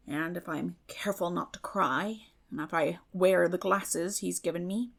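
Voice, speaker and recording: A woman's voice: on the low side, gravelly. A woman voicing a weary, bitter older farm woman in an audiobook, speaking in plain rural phrases with sad resignation. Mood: dejected. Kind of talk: dramatic audiobook reading.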